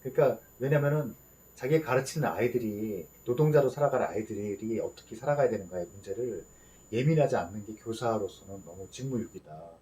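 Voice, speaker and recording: A man on a casual discussion panel, explaining his views in a measured way. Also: lowish voice, animated, dark tone.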